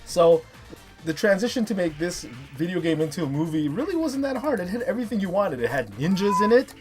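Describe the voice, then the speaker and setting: Male video host, 30s, slightly high voice, emphatic and chatty review delivery, music underneath. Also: very animated, a little fast. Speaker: host of a top three video series.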